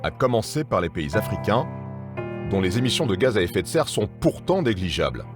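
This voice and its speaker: A man reading a scripted documentary narration in a measured, serious voice. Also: fairly low pitch, big pitch swings. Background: music.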